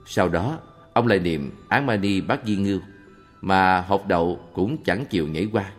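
A man reading a monk's answers aloud in a calm, measured Buddhist question-and-answer recording. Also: deep voice. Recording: long reverb with faint background music.

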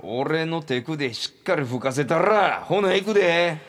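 A man's voice: fairly low pitch, wildly swooping pitch, vocal fry, husky, exaggerated voice. A man playing a coaxing Kansai charmer. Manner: slow, coaxing. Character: smooth-talking flirtatious Kansai man.

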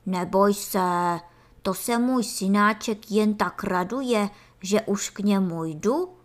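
A woman's voice: medium pitch, lightly acted. A woman voicing a doting, boastful antlion father who coos over his son in baby talk. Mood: soothing. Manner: cooing, fondly baby-talking.

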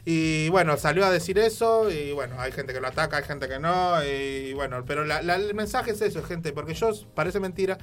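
High-voiced rambling man. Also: normal speed, few pauses, a bit bright. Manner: rambling, restarts and searches for words. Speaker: podcast co-host. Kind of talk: casual news chat.

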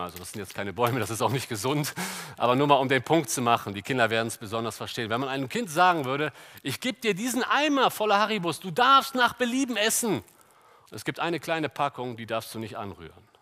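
Man preaching a lively sermon. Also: medium pitch. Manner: lively, asks the audience rhetorical questions.

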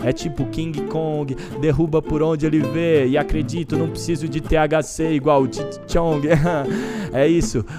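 A man's voice: on the high side, steady tone, moderate pace. A man from São Paulo with a Paulistano accent, freestyle rapping boastful, playful rhymes over a beat. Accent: Paulistano Brazilian Portuguese. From São Paulo, Brazil. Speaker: freestyle rapper. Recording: music loud behind the voice.

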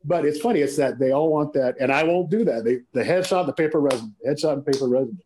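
A man's voice: a little high, fast, mellow, a little hiss or hum. A man who works as an actor, talking as a guest in a casual chat and telling emphatic anecdotes.

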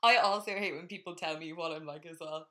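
Bright-voiced young woman, self-mocking chat. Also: on the low side, steady tone, brisk. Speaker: podcast co-host. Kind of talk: casual chat.

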